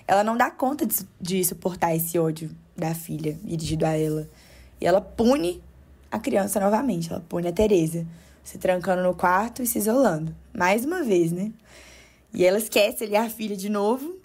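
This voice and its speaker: A woman explains ideas in a measured, patient way. Her voice is husky and breathy at a middling pitch. She often checks in with small tag questions. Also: darkish tone. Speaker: podcast co-host. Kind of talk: explanatory commentary.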